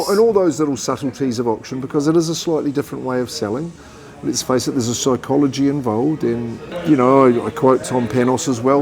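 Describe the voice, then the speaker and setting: With music in the background, a man speaks at a very fast pace in a medium pitch with ordinary pitch variation. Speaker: auctioneer. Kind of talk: podcast interview answer.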